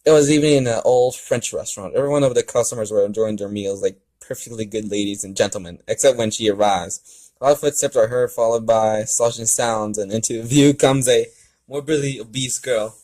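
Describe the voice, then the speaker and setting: A man with a mid-range voice hosts and reads aloud in a casual way. His delivery is halting, with stumbles and repeated words as he goes. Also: mid-range voice, steady tone, a little mellow, poor audio. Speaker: amateur fan fiction reader and video host. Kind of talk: casual commentary and read-aloud storytelling.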